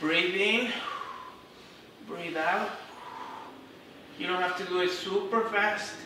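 A man's high-pitched voice at a very slow pace, with ordinary pitch variation, audible room echo and noticeable background noise. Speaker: running coach. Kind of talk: workout instruction with banter. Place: home room. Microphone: camera far.

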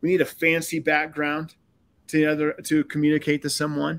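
Moderate pace from a male speaker. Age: 40s. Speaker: software company co-founder. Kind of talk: interview. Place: home room.

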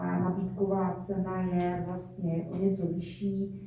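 The woman's intonation is monotone and flat. There is audible room echo and light background noise. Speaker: deputy mayor. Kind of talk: press conference. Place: meeting room. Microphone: camera far.

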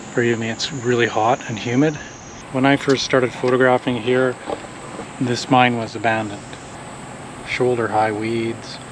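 A man at a moderate pace, with monotone, flat intonation, long, frequent pauses and noticeable background noise. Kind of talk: casual vlog chat. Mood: nostalgic, reminiscing. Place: street. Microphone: phone near.

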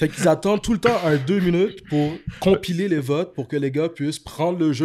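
Spoken with a Quebec accent, the voice shows ordinary pitch variation. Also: man, quiet background. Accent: Québécois French. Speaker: podcast host and football coach. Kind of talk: casual chat. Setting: studio. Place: home room. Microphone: studio mic.

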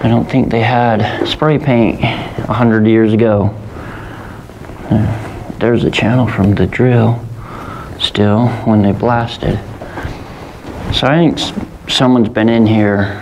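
A man at a very slow pace, fairly even intonation, long and frequent pauses, and light background noise. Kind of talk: casual exploration commentary. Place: tunnel cave. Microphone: phone near.

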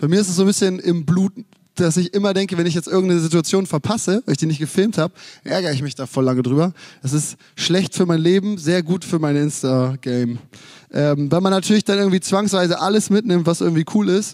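A man with a high pitch talks at a very fast pace with ordinary pitch variation, the sound dry with no echo and the background quiet. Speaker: speaker. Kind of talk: casual stage talk. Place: stage. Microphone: handheld.

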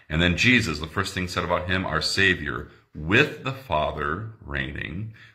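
A man with a very deep, low voice and vocal fry uses a bright, sharp tone and lively intonation over a quiet background. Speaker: pastor. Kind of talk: sermon-like Bible study talk. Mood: calm, reflective. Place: church. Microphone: phone near.

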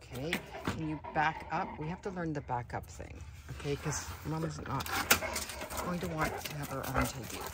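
A man is heard in a dry recording with no echo, amid loud background noise. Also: moderate pace. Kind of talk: casual talk to pets. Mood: cheerful, amused. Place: home room. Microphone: phone near.

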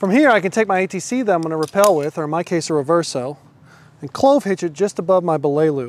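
In a dry sound with no echo, a man talks at a fairly quick pace. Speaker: climbing gear instructor. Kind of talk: tutorial. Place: forest. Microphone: lapel.

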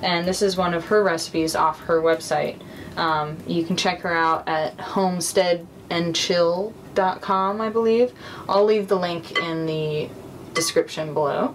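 A woman's fairly low-pitched voice, a normal speaking voice, at a fairly slow pace with ordinary pitch variation and light background noise. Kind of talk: tutorial. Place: kitchen. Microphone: camera far.

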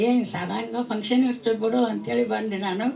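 A woman with a fairly high pitch talks while noticeable background noise carries on. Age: 70s. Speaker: actress, director's mother. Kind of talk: interview.

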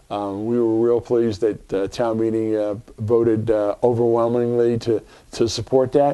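Over a quiet background, a man talks at a moderate pace in a medium pitch with a dark, mellow tone. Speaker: town administrator. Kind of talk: civic update. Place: office.

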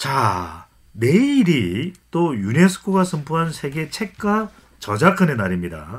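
With very wide pitch swings, a man talks very slowly at a fairly high pitch in a somewhat breathy voice. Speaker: radio interviewer. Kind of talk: radio interview. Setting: studio. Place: studio. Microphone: studio mic.

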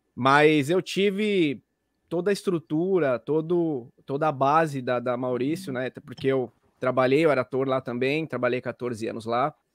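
A man speaks at a fairly slow pace in a fairly high pitch, with ordinary pitch variation, a dry sound with no echo, and a quiet background. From Brazilian countryside; Brazil. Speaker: voice actor. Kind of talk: anecdote telling. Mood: reminiscing, friendly. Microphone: video call.

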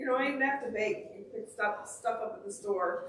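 Audible room echo surrounds a woman as she talks. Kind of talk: church announcements. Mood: friendly, relaxed. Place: church. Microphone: camera far.

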